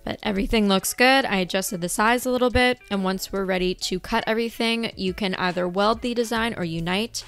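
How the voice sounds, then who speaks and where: A young woman with a slightly hoarse voice calmly explaining a craft project step by step in a tutorial voice-over. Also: mid-range voice, fairly quick, hardly any pauses. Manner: calm, instructive, methodical. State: slightly hoarse, losing her voice. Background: faint background music.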